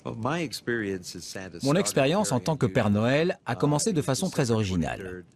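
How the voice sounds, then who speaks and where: Older man, calm storytelling, lively pitch, crowd noise behind. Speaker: interviewee. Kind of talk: recounting a memory.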